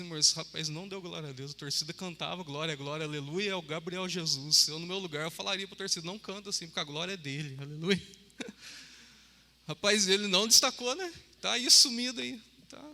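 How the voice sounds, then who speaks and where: Male preacher, high bright voice, chatty sermon, church hall reverb. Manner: chatty, joking, with frequent "amém?" and "né?".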